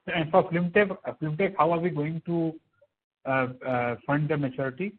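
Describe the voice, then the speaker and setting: A man's voice: a little high, steady tone, normal speed. A man with an Indian accent asking deferential questions as a caller on an earnings call over the phone. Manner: deferential, often saying sir. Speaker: caller, investor or analyst. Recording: tinny narrowband phone line.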